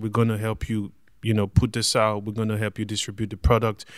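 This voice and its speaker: A man speaks in a fairly low pitch with monotone, flat intonation. The recording is very clean, with a silent background. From Nigeria. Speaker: musician. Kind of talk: interview.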